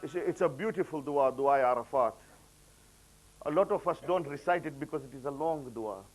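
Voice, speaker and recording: High-voiced man preaching with rising emphasis. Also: normal speed, poor audio. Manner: rises in pitch and volume when quoting, drops low for asides. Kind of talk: religious lecture.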